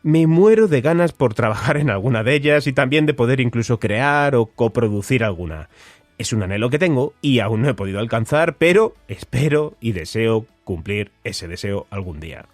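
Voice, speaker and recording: A man's voice: medium pitch, lively intonation, moderate pace, no room sound, soft background music. A man with a Spanish accent hosting a podcast, talking with enthusiastic emphasis. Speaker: podcast host. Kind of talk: scripted podcast intro.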